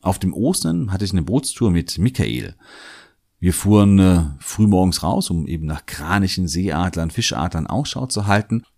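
Podcast host, man, German native speaker, very low voice, reflective monologue with gentle hesitations. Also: lively intonation, moderate pace, vocal fry. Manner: thoughtful, musing, hedges and repeats words.

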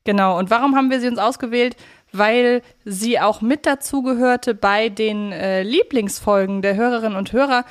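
A woman's voice: a little high, normal speed, clear, resonant tone. Woman chatting as a podcast co-host. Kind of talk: casual podcast discussion.

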